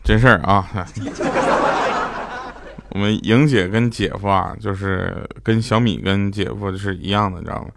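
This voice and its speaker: A man's voice: on the low side, normal speed, gravelly, over loud music. A man hosting a comedy show, telling jokes in a chatty, self-mocking monologue.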